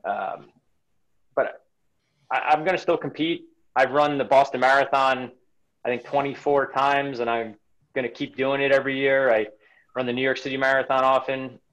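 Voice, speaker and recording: Man, forties, interview guest on a home video call, reflective, halting, frequent restarts. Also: mid-range voice, steady tone, fairly bright tone, dull audio. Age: 40s. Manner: reflective, many restarts and repeated words. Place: home room indoors. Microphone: webcam on a video call.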